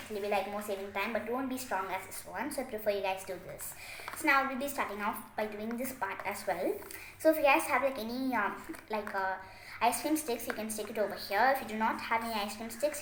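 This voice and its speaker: A woman with a fairly high voice guides listeners through craft steps in a chatty, instructive way. She often repeats her instructions. The room is clearly echoey, with faint noise behind her. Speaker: craft tutorial host. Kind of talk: step-by-step craft tutorial narration.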